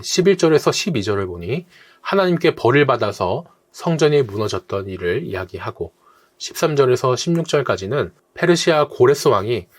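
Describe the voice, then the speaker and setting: A man, a pastor, leading a Bible meditation, rising on the openings of phrases, falling at the ends, and acting out quoted challenges in a brusque voice. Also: medium pitch.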